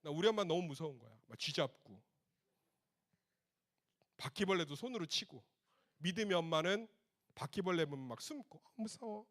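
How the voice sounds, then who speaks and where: A middle-aged male pastor with a slightly higher-than-average voice preaches to teenagers at a retreat. He tells stories with lively energy, talking to them casually and directly. His delivery jumps between loud bursts and quiet, hushed moments. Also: normal speed, long pauses. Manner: animated storytelling, swings between loud outbursts and soft hushed passages; addresses teens directly in casual speech. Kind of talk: youth retreat sermon.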